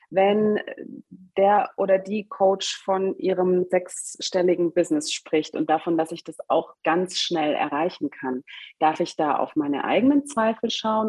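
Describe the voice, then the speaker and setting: Speaking at a fairly slow pace, a woman has a medium pitch. Hers is an unremarkable speaking voice. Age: 40s. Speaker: life coach. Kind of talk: interview.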